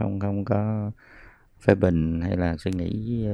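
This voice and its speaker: A man's fairly low pitch and fairly even intonation go with a fairly slow pace. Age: 50s. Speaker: retired architect. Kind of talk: casual chat. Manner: halting.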